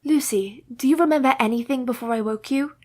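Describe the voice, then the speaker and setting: An actress playing a caring, composed young woman who speaks in steady, formal period English in a radio play. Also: sits high, a little fast, no room sound. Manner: steady, reassuring, formal speech.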